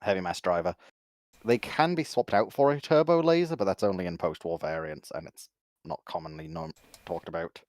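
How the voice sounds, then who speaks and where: Lowish-voiced man in dry sound. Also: fairly quick, a little mellow, no echo. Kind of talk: casual technical chat.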